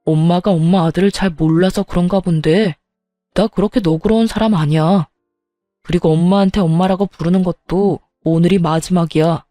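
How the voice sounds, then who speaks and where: A woman's voice: fairly even intonation, moderate pace, mellow, dry recording, faint music behind, lightly acted. A woman voicing a protective husband who confronts his mother firmly and angrily in a told story. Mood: angry. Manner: low, firm, angry confrontation. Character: protective husband, man in 30s, stern and furious.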